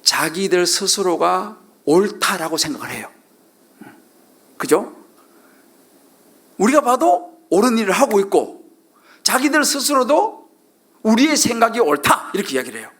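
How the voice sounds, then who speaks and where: A middle-aged male pastor delivers a sermon in a high, gravelly voice. His pitch leaps around as he keeps asking the congregation questions and acts out the words of the people he quotes. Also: very animated, unhurried, long pauses, fairly bright tone.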